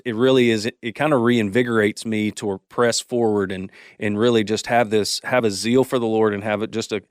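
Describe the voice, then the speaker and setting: A man's voice: on the low side, no room sound, studio quality. Rambling American man hosting a podcast. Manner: rambling, many restarts and fillers. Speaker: podcast host. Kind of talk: casual podcast chat.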